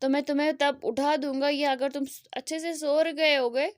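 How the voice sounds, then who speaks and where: A woman reads the part of a caring young man whose high, clear voice leans gently into pleading questions. He coaxes and soothes with soft insistence, told storybook-style in a dry, close recording. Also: little pitch movement, normal speed, no room sound, close to an everyday voice. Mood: gentle. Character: worried tender young man soothing his partner.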